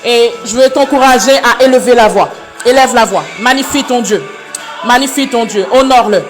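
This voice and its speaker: A woman with a high voice leads prayer with fervent intensity, repeating her phrases and pushing toward a shout. Faint music plays softly beneath her. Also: normal speed. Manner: fervent, repetitive, often near shouting. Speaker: prayer leader. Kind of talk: online prayer session and exhortation.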